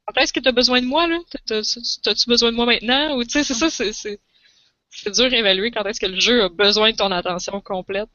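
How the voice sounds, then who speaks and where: A woman with a Quebec French accent chats fast and lively, her voice very bright and sharp. The sound is dry and a bit muffled. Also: a little high, no echo. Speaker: podcast co-host. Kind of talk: casual chat.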